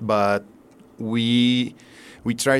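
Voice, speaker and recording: A man with a Portuguese accent talks at a medium pitch on a very clean recording with a silent background. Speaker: former soccer player. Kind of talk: interview. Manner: halting.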